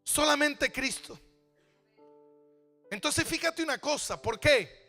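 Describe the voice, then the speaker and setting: A man's voice: very high voice, expressive, slow pace, pushed and bright, soft background music. A man pastor preaching a sermon, asking rhetorical questions and repeating phrases for emphasis. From Argentina.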